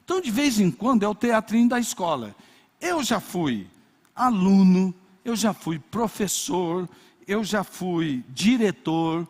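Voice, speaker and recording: An older man with a Brazilian accent preaching a sermon, telling personal stories in a lively way and acting out little scenes. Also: sits high, a little slow, in a large hall. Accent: Brazilian Portuguese. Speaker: pastor.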